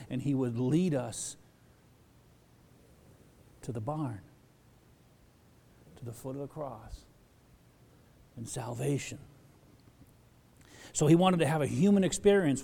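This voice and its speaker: A man preaching a sermon as a pastor, animated, acting out the voices of the people he quotes. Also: medium pitch, creaky. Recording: long hall reverb.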